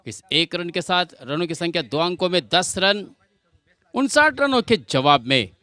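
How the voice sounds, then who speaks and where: Man doing live cricket commentary, high pitched and crisp, explains stuff like he's talking to friends. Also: expressive, measured pace, bright, forceful tone, no echo. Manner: addresses viewers as friends, explanatory.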